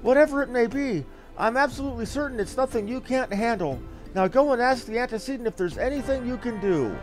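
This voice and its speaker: A man voicing a small, excitable young female helper from a fantasy game, in a theatrical, effusive manner. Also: extremely high pitch, a little fast, faint music behind. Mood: alarmed, gossipy. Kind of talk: reading game dialogue in character.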